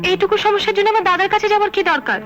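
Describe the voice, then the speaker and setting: An actress playing a warm, indignant young woman, a protective friend, in a film drama. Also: very high voice, rapid-fire. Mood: hurt, caring. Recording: dull film soundtrack with music.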